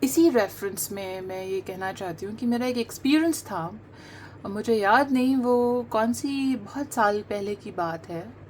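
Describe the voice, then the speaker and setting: A middle-aged woman whose mother tongue is Hindi-Urdu, explaining accent and pronunciation in an earnest way, pausing often and mixing in English phrases. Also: mid-range voice, darkish tone, slight background noise. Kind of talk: talking-head monologue on language teaching.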